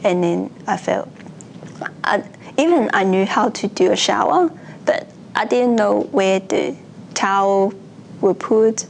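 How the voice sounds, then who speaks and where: Slow, hesitant woman. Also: medium pitch, gravelly, a little hiss or hum. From Hong Kong. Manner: hesitant, with restarts and fillers. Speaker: nursing student. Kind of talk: personal account for a university video.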